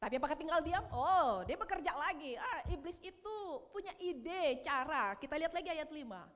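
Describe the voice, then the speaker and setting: High-voiced woman preaching in reverberant hall. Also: normal speed. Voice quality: animated, acts out voices in quoted dialogue. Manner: swings between loud emphatic and hushed delivery. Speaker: pastor. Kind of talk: youth service sermon. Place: church hall. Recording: long reverb in a church hall.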